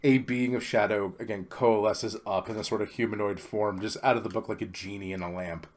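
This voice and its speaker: A man narrating as game master in a relaxed, rambling way. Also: fairly low pitch, fairly quick.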